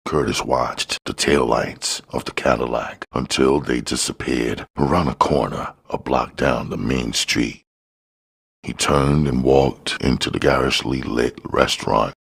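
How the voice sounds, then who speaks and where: A man's voice: a bass voice, unhurried, creaky, fairly bright tone, breathy edge. A man reading a crime novel aloud as an audiobook narrator.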